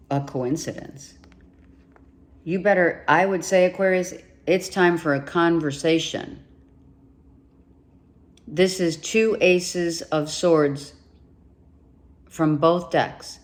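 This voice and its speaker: A woman giving a monthly tarot reading, emphatic and repeating herself, her voice going hoarse with some coughing. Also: low-pitched. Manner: emphatic, repeats herself, talks straight to the viewer. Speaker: tarot reader.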